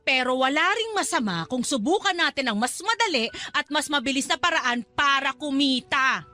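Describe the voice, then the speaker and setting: A woman's voice: sits high, lively intonation, moderate pace, bright, forceful tone, soft background music. An actress playing a scheming middle-aged mother in a radio drama, coaxing and insistent as she persuades her daughter.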